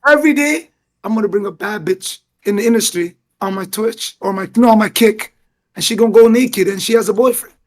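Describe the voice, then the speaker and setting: A hoarse man with a brash, boastful, slangy way of talking, trading banter on a rowdy live stream. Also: high voice, brisk. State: hoarse, lost his voice. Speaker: guest rapper on a live stream.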